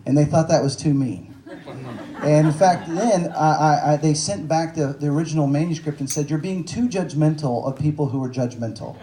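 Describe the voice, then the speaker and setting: A Texan man in his forties, an author at a book event, tells stories that poke fun at himself, using lots of fillers and jokes. His voice is fairly high and dark-toned at a moderate pace, captured in an echoey room with faint noise.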